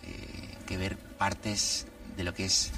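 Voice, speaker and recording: A man, a priest and guest, explaining religious matters in an unhurried, reflective way and laying out his points one by one. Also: low voice, level tone, pushed and bright, distant mic. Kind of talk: conversational religious commentary.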